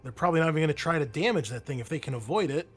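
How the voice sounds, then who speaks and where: A man's voice: on the high side, animated, racing, faint music behind, voice pushed up, natural voice. A man playing a blunt, foul-mouthed soldier who explains things emphatically. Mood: blunt, insistent. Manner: emphatic, profane.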